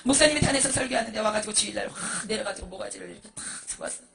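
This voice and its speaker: Fast-talking, gravelly woman pastor. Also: medium pitch, a bit bright. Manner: emotional, dramatic storytelling with acted voices. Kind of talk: testimony sermon.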